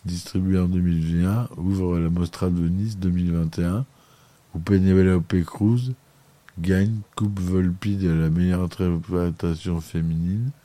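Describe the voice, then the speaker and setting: Low, dark-voiced man reading. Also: dry recording. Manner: reads aloud with frequent stumbles and self-corrections. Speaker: podcast host. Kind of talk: read film chronicle.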